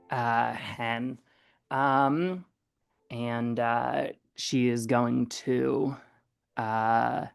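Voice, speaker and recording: A woman improvises at a tabletop game. Her voice is creaky and sounds dry and close. She goes slowly and haltingly, thinking aloud as she describes what her character does. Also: rumbling low, no echo. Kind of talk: improvised tabletop roleplay chat.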